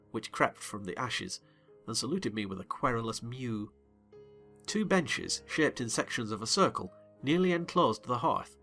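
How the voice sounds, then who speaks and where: Bright-voiced male narrator. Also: medium pitch. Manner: measured, expressive. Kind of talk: dramatized reading of a classic novel.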